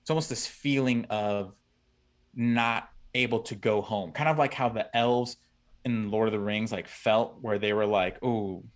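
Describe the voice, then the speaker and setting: A man's voice: on the low side, measured pace. A man in his thirties talking earnestly as a podcast guest, rambling with many restarts. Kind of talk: casual chat.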